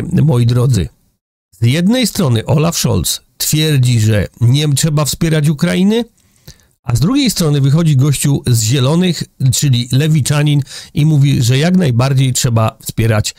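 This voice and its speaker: A man's voice: medium pitch, darkish tone, dry recording, clean studio sound. A middle-aged man from Poland giving sarcastic, indignant political commentary to his viewers from a room with a big window. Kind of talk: opinionated news commentary. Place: indoor room with a large window over a city.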